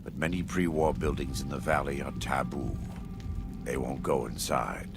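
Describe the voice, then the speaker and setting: A man playing a grave tribal war leader in a video game, speaking in a measured, formal way with a gravelly voice. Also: extremely low pitch, fairly even intonation, loud music behind the voice. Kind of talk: video game cutscene dialogue.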